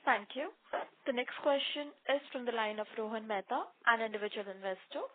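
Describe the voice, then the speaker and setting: A woman's voice: fairly high pitch, a little fast, background noise. Woman operator on a tinny phone line. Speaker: conference call operator. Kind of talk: scripted call moderation. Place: conference phone call.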